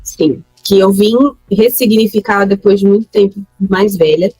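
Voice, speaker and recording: A young woman with a Brazilian Portuguese accent, co-hosting a podcast in a jokey, expressive manner. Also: mid-range voice, moderate pace, slightly rough, dry recording, soft background music, low-quality recording. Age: young adult. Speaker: podcast co-host. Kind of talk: casual chat.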